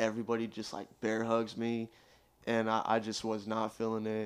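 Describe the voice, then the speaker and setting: A man at a medium pitch and moderate pace. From Colton, California (Inland Empire). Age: 20s. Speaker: singer-songwriter. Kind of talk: casual interview. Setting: studio.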